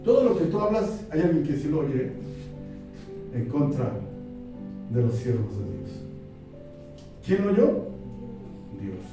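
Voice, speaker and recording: A man's voice: fairly high pitch, sing-song, a little slow, long pauses. A man from Mexico preaching a sermon, putting rhetorical questions to his congregation and quoting scripture. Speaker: pastor. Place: church hall. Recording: echoey room, mic far off, faint music.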